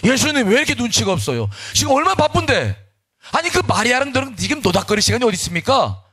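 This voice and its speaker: A man's voice: rapid-fire, a bit bright, husky. A man voicing a busy, flustered woman hostess who complains in exasperation. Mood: annoyed. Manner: exasperated complaining, raised pitch.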